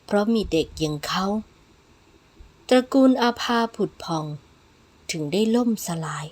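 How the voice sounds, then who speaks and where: A woman reading novel narration in a low, somber, measured voice. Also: expressive, darkish tone. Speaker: audiobook narrator.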